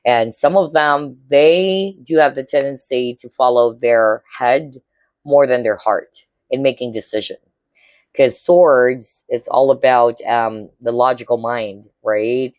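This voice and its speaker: A woman with a hoarse, cracking voice giving a casual tarot reading to viewers, chatty and often checking in with her listeners. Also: extremely low pitch, slow, no echo, highs cut off. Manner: chatty, keeps checking in with "all right?" and "okay?". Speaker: tarot reader.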